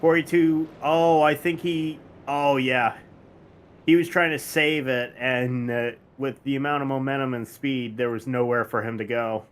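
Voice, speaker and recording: A man doing casual play-by-play commentary for an online truck race, relaxed and correcting himself as he goes. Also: medium pitch, a little slow. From northern United States.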